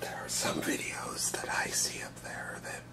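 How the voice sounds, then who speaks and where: A man whispers, going along at a very slow pace. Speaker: ASMR creator. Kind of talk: ASMR whispering, casual talk to camera. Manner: whispered. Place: home room. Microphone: webcam.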